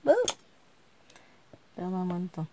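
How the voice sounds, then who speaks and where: A woman's voice: lowish voice, expressive, slow pace, heavy background noise. A woman in her thirties, a vlogger chatting casually to the camera while she works on a craft at home. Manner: chatty, talking quietly to the camera while working. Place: living room at home.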